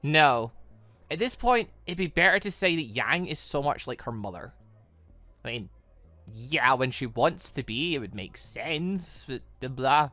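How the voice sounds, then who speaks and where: A man giving casual, animated let's-play commentary on a visual novel, reacting and interjecting as he goes. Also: medium pitch, measured pace, dry recording. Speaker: gaming channel host.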